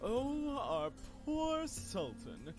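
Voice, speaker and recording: Smug grand vizier played by a man, game villain, cruel and mocking, wildly animated pitch, music behind. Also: extremely slow, exaggerated voice. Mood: gloating. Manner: grand-vizier style, smug and taunting, theatrically drawn out.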